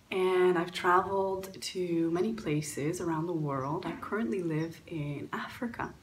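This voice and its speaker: A woman's voice: fairly low pitch, fairly bright tone, roomy sound, a little hiss or hum, rough recording. A woman from Poland, raised in Canada, giving earnest travel advice with frequent fillers and restarts. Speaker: guest traveler sharing advice. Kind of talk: recorded talk answering questions.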